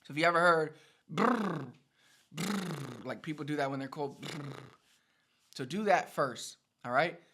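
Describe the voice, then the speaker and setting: A man's voice: a little high, expressive, brisk, noisy background. A man giving a casual pronunciation lesson as a teacher, demonstrating rolled R trills and syllables between his explanations.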